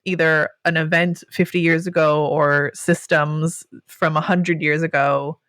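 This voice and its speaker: A woman's voice: low voice, level tone, a little slow, a bit bright, no room sound, studio quality. A woman hosting a podcast, asking thoughtful questions in a casual chat full of fillers. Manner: thoughtful, uses many fillers. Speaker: podcast host.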